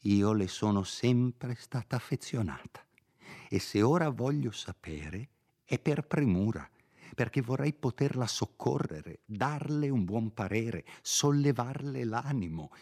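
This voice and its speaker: A man's voice: mid-range voice, measured pace, lightly acted. A man voicing a fussy, scolding middle-aged housekeeper woman in a read-aloud novel, pleading and chiding by turns.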